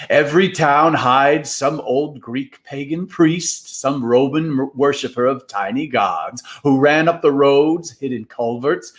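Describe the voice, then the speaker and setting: A man voicing an eerie, ancient male guide who declaims slowly and grandly. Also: mid-range voice, fairly bright tone. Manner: drawling, slow, grandly declaiming.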